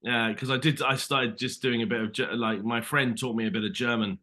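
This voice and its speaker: A British man in his thirties chats as a podcast guest, spinning animated anecdotes. His voice is bright and forward, and he jumps into little acted-out quotes. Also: medium pitch, brisk. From Britain. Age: 30s. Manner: animated storyteller, acts out quotes. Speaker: actor guest. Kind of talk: casual interview chat.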